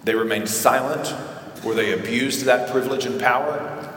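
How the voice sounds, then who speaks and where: Pastor preaching in an echoey hall. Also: male voice, mid-range voice, moderate pace, fairly bright tone. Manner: earnest with dry self-deprecating humor. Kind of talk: sermon. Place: church sanctuary. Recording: echoey hall recording with faint noise.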